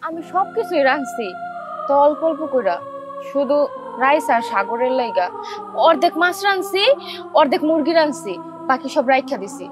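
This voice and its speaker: A woman's voice: high voice, very animated, normal speed, pauses often, over music. A woman playing a devout, consoling village wife. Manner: pleading, consoling. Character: devout caring village wife, middle-aged. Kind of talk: television drama acting.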